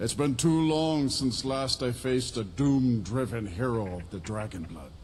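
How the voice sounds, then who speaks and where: A man puts on a character voice at medium pitch. Clear background noise runs behind him. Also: moderate pace. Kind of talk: archaic epic verse. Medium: video game. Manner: solemn, formal.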